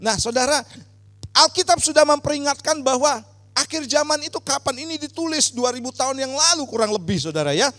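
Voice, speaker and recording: A man's voice: extremely high pitch, expressive, a little fast, pushed and bright. A male pastor preaching a sermon with emphatic swells on key words and frequent rhetorical address to the congregation. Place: church sanctuary. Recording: church hall reverb.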